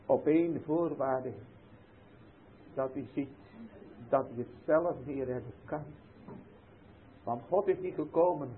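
A man preaching a sermon, swinging between hushed words and loud, emphatic outbursts, on a tinny old recording. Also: a little high, slow, pauses often, slight background noise.

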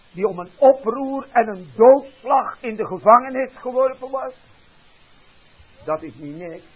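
A man preaching a sermon in a dramatic way, crying out loudly at times and dropping to quiet asides. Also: slightly rough, narrow, tinny audio. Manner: dramatic, swings from loud cries to quiet low asides.

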